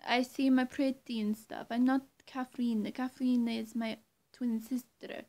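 Casting: young woman acting female vampire for listener roleplay; higher-pitched, unhurried, teasingly menacing, dropping toward a whisper. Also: level tone, mellow. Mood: coaxing, wary. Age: young adult. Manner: halting, teasing threats with long pauses, often dropping to breathy near-whisper. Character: menacing, two-faced female vampire, sweet then threatening. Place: small room at home, indoors.

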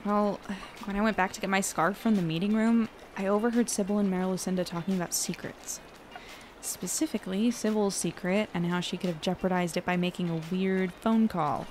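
A woman's voice: mid-range voice, fairly even intonation, fairly quick, slight background noise, natural voice. A woman playing an uneasy, thoughtful investigator in an audio drama, speaking casually and naturally.

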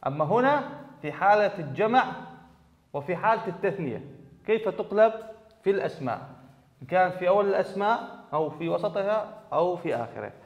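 A man with a high voice teaches a classroom grammar lesson, explaining slowly and repeating key words. The recording sounds dull and lo-fi, with a long echoing reverb from a large room. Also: expressive. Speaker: Arabic teacher. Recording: echoey hall, dull lo-fi sound.

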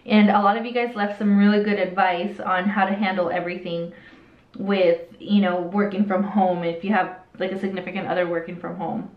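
A woman's voice: medium pitch, level tone, a little fast. Chatty woman with a light Hispanic accent. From El Salvador, raised in Southern California. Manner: chatty, candid, often trails off and restarts. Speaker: vlogger. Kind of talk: casual Q&A while doing makeup. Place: small indoor room with a curtain backdrop. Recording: roomy, slightly dull sound.

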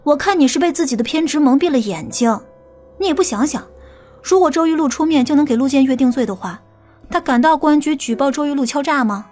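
A woman's voice: high-pitched, expressive, fast, darkish tone, faint music behind. A woman playing a stern, impatient police detective in an audiobook drama. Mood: heated.

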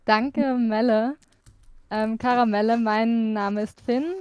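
A woman's voice: fairly high pitch, steady tone, takes it slowly, darkish tone, smooth, no echo, muffled recording. A woman in her twenties from Austria, moderating a casual chat as podcast host. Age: 20s.

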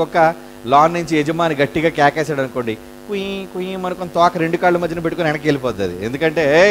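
A man's voice: on the high side, a little hiss or hum. A man preaching a sermon in a dramatic storytelling way, acting out the voices in the stories. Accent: Telugu.

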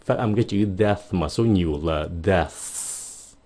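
A man whose first language is Vietnamese, teaching English vocabulary in a casual, explanatory lesson and slowing right down to model each English word. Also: low-pitched, dark tone. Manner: slows down sharply to model English words.

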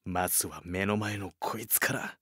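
Man acting a cocky, sharp young athlete. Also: deep voice, normal speed, slightly rough, no room sound, clean studio sound. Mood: determined. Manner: cocky, determined. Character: confident young athlete, cool-headed team playmaker. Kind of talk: anime-style dramatic acting.

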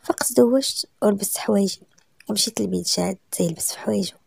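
A woman with a Moroccan accent narrating a romance story in the first person, often dropping to a hushed whisper. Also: medium pitch, fast, gravelly, husky, no room sound.

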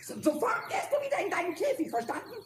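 A man voicing a small, cheeky, impulsive kobold in a children's radio play, squeaky and stammering with repeated words. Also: wildly swooping pitch, fast, exaggerated voice. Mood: flustered, bossy. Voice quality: squeaky, high-pitched. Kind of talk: 1970s German children's radio play acting. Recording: noisy old vinyl radio-play recording.

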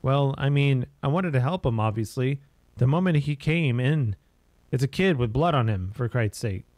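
A man's voice: mid-range voice, lively intonation, normal speed, a little mellow, no room sound, close to an everyday voice. Man reading as a hesitant, uneasy gas station worker. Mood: spooked, defensive. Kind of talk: reading game dialogue aloud.

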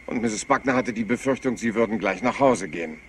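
Hesitant, low-voiced rumpled police inspector played by a man. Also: a little fast, slight background noise, close to an everyday voice. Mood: apologetic. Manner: hesitant, apologetic, rambling. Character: rumpled, polite, absent-minded male police inspector. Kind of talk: dubbed TV crime drama acting.

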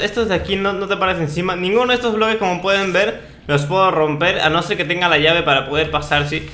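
A young man with a high, bright voice commentates casually over a video game. He talks in playful slang and boasts in jest. The sound is roomy and echoey. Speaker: gaming video host. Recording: roomy echo, faint noise, clicks.

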